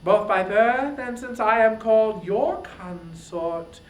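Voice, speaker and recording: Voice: medium pitch, takes it slowly, roomy sound, lo-fi sound, voice pushed up, natural voice. A performer voicing a wily, imperious queen of the gods, theatrical and coaxing, in an epic poetry reading. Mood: indignant.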